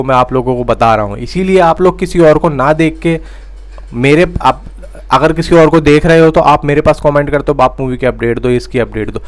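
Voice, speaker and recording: A young man giving a casual, insistent film news update to his viewers, repeating himself and calling them brothers and friends. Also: fairly high pitch. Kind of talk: casual direct-to-camera update.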